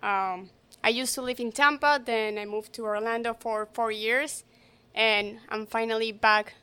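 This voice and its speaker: A woman in her thirties from Colombia, speaking as a guest in a soft-spoken, halting way with small English slips. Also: a little high, fairly even intonation, clear, resonant tone. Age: 30s. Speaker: guest, real estate entrepreneur. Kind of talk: casual interview.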